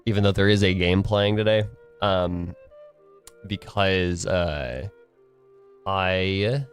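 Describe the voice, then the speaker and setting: A young man streams on his own, his fairly low, smooth voice sounding stuffy and nasal from a cold and weary after the morning. He rambles casually, packing in fillers and often starting over.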